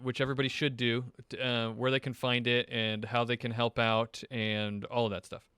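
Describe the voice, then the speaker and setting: A man's voice: medium pitch, little pitch movement, normal speed, pushed and bright, clean tone, no room sound, clean studio sound. A man hosting a show in casual, upbeat chat with his guest. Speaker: show host.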